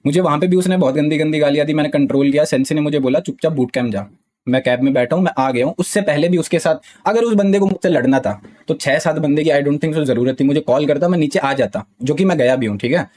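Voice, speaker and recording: Heated Indian man, higher voice. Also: fast, a little mellow. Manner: heated, defensive, repeats "ठीक है" often. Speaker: gaming streamer. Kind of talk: live stream talk to chat.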